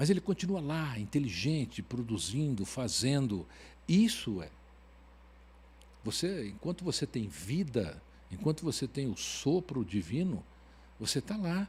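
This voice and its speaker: A man talks at a fairly slow pace and a medium pitch, with vocal fry and very wide pitch swings. Long pauses come often. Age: 60s. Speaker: author and speaker. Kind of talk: podcast interview.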